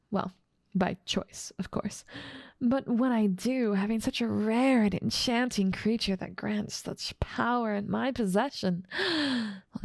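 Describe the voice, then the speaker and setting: A woman's voice: medium pitch, gravelly, darkish tone, no echo, clean studio sound. A woman voicing an evil, controlling witch in an ASMR roleplay drama, speaking in a silky, doting, gloating way. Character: evil, controlling, possessive adult female witch.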